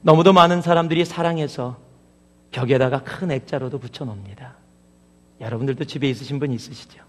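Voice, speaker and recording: A man's voice: mid-range voice, brisk, big-room sound. A man from Chungcheong Province in Korea preaching a sermon as a pastor, speaking conversationally and putting questions to the congregation. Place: church sanctuary.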